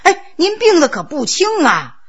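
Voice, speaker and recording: A woman's voice: extremely high pitch, huge pitch swings, moderate pace, lo-fi sound, exaggerated voice. A woman doing a brash, teasing younger prince. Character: Qing prince's younger brother, a grinning, teasing schemer.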